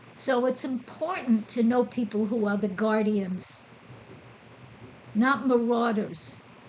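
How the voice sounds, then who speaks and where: Over noticeable background noise, a woman with an American accent speaks at a very slow pace with long, frequent pauses. Her pitch is fairly high, with ordinary variation. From New York City, Manhattan. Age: 80s+. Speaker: spiritual teacher and podcast host. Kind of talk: spiritual talk.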